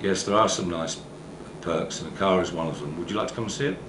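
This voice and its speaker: A man's voice: deep voice, quick pace, background noise. A middle-aged man who runs a building company, giving plainspoken career advice to young people. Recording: roomy, with music underneath.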